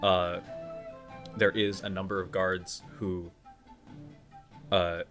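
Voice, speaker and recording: Low-voiced man narrating a tabletop game. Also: flat delivery, a bit bright. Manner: halting, conversational, thinking aloud. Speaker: game master. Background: music.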